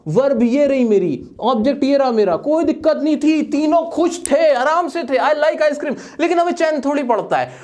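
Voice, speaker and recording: A man's voice: very high-pitched, expressive, normal speed, hardly any pauses, a little mellow. A man teaching a casual grammar lesson, asking himself questions and answering them, with playful jokes for his class.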